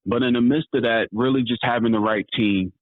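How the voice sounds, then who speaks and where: A man's voice: medium pitch, fairly even intonation, fairly quick, dry recording. A man in his thirties chatting casually as an interview guest. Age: 30s. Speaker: interview guest, author and entrepreneur. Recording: thin phone-like, band-limited line.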